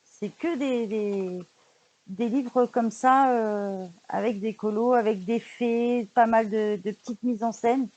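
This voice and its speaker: A woman's voice: fairly high pitch, steady tone, takes it slowly, a little mellow, dull audio. A woman vlogger in casual chat, showing books she bought, hesitant with frequent fillers and restarts, recorded indoors at home. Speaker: vlogger showing a book haul.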